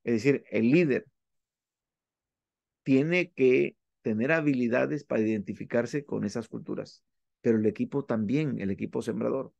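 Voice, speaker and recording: A man delivers a classroom lecture in a steady, methodical way, going through lists item by item with short pauses between them. His voice has a gravelly edge. The recording is dry and close, with no room sound. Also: medium pitch, dry recording, highs cut off. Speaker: instructor. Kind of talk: classroom lecture on church planting.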